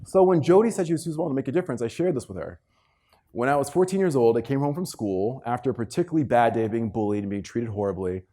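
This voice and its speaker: Male keynote speaker, motivational storyteller, highly animated pitch, emphatic delivery, slips into acted-out dialogue. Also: fast talker. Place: live talk before an audience.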